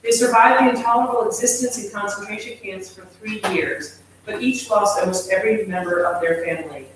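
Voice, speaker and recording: A woman's voice: mid-range voice, slight background noise. A woman hosting an event, reading out a formal introduction of the next speaker. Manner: measured, announcing speakers. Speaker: event host. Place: large lecture hall. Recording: echoey hall, mic from far off.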